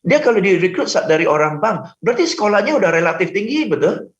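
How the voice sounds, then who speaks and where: A man, a sales trainer, giving advice on a radio talk show, animated, laughing often, acting out phone calls and mixing in English phrases. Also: sits high, quick pace, echoey room, highs cut off. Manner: mixes English phrases into speech.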